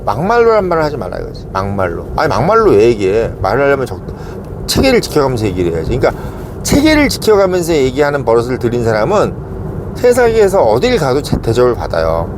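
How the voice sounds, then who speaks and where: Lively man who keeps asking his listeners to agree. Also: mid-range voice, background noise. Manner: talks in short bursts, keeps asking "응?" and "어?" for agreement; slows down to stress key words. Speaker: commentator. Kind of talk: casual political commentary to subscribers.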